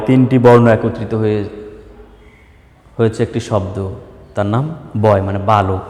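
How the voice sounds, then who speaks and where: A Bangladeshi man teaching a primary school lesson, asking questions and answering them himself, sometimes drawing out examples slowly. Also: mid-range voice, darkish tone, in a large hall. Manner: slow, drawn-out dictation of examples. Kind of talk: online class lesson.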